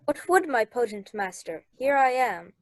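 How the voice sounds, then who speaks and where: High-voiced woman as solemn spirit. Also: sing-song, normal speed, no room sound. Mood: obedient. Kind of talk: Shakespeare performed as a radio play.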